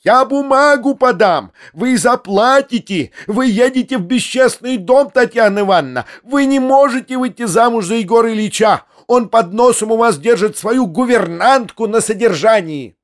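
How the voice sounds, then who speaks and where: A man's voice: very high voice, expressive, normal speed, few pauses, voice pushed up. A man reading an audiobook, voicing a furious middle-aged noblewoman who scolds and shrieks. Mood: raging. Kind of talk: audiobook character voice.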